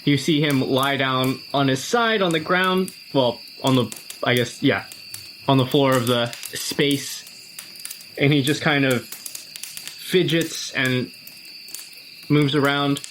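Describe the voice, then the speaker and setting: A man's voice: medium pitch, takes it slowly, long pauses, fairly bright tone, slight background noise. A man playing a tabletop role-playing game, improvising third-person narration of his character with dry, wry humor.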